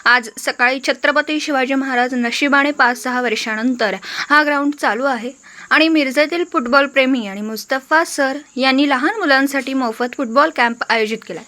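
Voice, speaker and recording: Bright high-voiced woman reading the news. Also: moderate pace. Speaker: news reader. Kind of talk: reading a citizen's complaint aloud as a news report.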